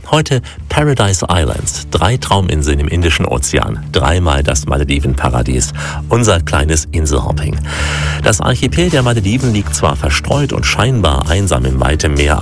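A male radio travel host with a very low, deep voice, narrating in a measured and polished way. Music plays clearly behind him. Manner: measured, polished presenter delivery. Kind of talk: scripted radio narration and interviewing.

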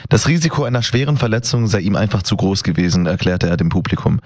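Low-voiced male radio newsreader. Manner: even, measured news delivery. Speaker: radio news presenter. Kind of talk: read news bulletin.

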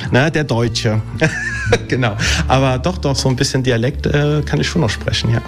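A man's voice: medium pitch, moderate pace, over music. A man in his forties, an ice cream maker, talking casually and chattily in an interview with many fillers and easy laughter. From Germany.

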